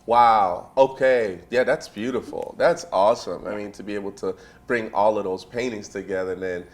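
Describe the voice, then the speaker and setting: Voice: sits low, normal speed. An infomercial host interviewing in a conversational, effusive way, often affirming the guest.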